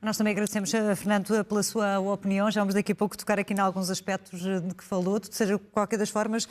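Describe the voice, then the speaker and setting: Brisk female TV presenter. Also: mid-range voice, level tone, darkish tone. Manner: brisk, polished. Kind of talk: live phone-in hosting.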